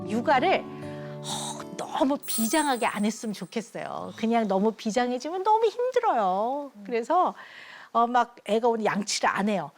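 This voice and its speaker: A woman speaking as a child psychiatrist guest on a TV talk show, telling an emotional story in an earnest, warm way and acting out the people she quotes. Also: fairly high pitch, sing-song, normal speed, faint music behind. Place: TV studio.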